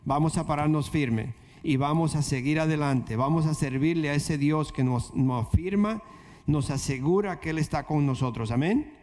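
A man preaching a sermon and then leading a prayer. His voice sits a bit high and he repeats phrases with earnest emphasis. The sound carries a long reverb like a large church hall. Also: moderate pace, darkish tone. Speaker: pastor.

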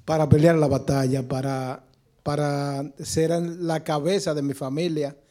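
Man, church member, spontaneous testimony, halting and repetitive, fairly high mellow voice. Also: little pitch movement. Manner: halting, repeats words as he searches. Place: church service.

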